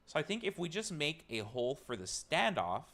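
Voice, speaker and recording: A man's voice: on the high side, very animated, moderate pace, fairly bright tone. A man streaming as he builds a robot, chatting casually and teasing himself while he tinkers. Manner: rambling, self-mocking, talks to chat while tinkering. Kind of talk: casual live-stream chat while working.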